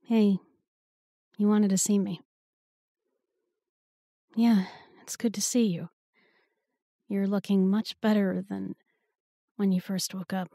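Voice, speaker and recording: A woman playing a guilt-ridden, protective girlfriend in an intimate audio roleplay, speaking haltingly and emotionally in a breathy, husky voice. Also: mid-range voice, flat delivery, mellow, dry recording, clean studio sound. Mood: subdued, hesitant. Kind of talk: intimate audio roleplay acting, spoken to the listener.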